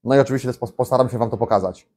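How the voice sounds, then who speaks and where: A man's voice: medium pitch, racing, darkish tone. A man in his thirties giving a casual DIY vlog walkthrough, chatty with lots of fillers and restarts, in a small garage workshop. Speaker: DIY vlogger. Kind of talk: casual how-to vlog talk.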